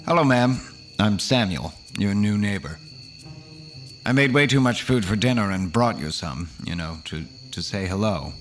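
A man plays a polite, fussy accountant narrating a horror audio drama. His voice is low and his storytelling measured. Soft music runs faintly underneath. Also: animated, natural voice. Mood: awkwardly polite. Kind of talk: scripted first-person horror narration.

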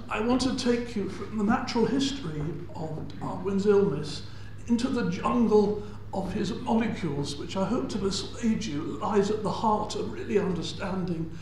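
Older man, southern English accent, public lecturer, high-pitched, heavy room echo, faint background noise. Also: moderate pace, a little mellow. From England. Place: large indoor lecture hall before an audience.

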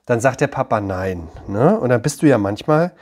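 Husky male psychologist, 30s, direct explanatory delivery, softens to a coaxing tone with a child. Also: medium pitch, expressive, normal speed. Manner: direct and explanatory, often checks in with "ja?"; gentle, coaxing tone with his son. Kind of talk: advice talk to camera, then chat with his child.

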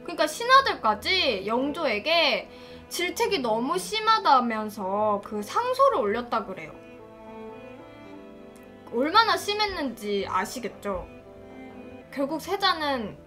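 A woman tells a history story in a casual, chatty way and acts out the quoted lines as she goes. Her voice is high and bright, and her pitch swings widely. Soft music plays underneath.

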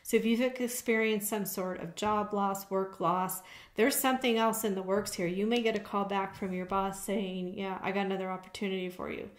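A woman of middling pitch reads tarot cards for her viewers. She talks casually and keeps checking in with little "okay?" asides. Her voice rings a bit in an echoey room. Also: steady tone, moderate pace. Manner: conversational, frequent "okay?" check-ins. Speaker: tarot reader. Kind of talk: tarot reading to camera.

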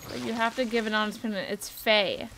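Woman reading a friendly young villager: casual, candid, bright. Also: medium pitch, fairly even intonation, fast, a little hiss or hum, close to an everyday voice. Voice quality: casual, conversational.

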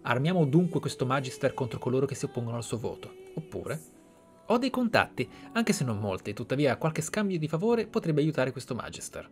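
A man's voice: mid-range voice, big pitch swings, fairly quick, darkish tone, faint music behind, close to an everyday voice. A man voicing a concerned, shrewd advisor from a fantasy game, earnest and formal. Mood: scheming.

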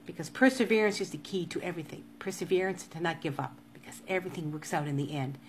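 Addressing her live-stream audience casually, a woman in her fifties talks fast in a voice on the low side. She earnestly and repeatedly urges her viewers on, and the recording has a slight hiss or hum.

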